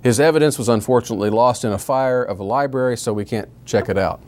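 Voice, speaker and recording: A man's voice: medium pitch, a little mellow. Man lecturing on early history. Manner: measured, reads quotes with rhetorical emphasis, small restarts. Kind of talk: lecture with read-out quotations.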